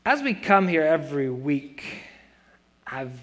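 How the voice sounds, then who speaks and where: A man's voice: a little high, big pitch swings, unhurried, a bit bright. A man in his forties preaching a sermon in a church, earnest and conversational, with playful self-mocking asides. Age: 40s. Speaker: pastor.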